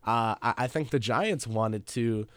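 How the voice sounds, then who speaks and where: A man's voice: medium pitch, unhurried, smooth, no room sound, clean studio sound. A young man co-hosting a casual sports talk show, playful and laying out his reasoning in long runs. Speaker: podcast co-host.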